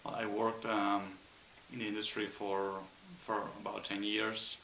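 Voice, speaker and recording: A man from Spain with a Spanish accent, an engineer answering interview questions thoughtfully with frequent pauses and ums. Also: lowish voice, level tone, creaky, sharp tone, reverberant, a little hiss or hum, rough recording. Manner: thoughtful, hesitant with many ums.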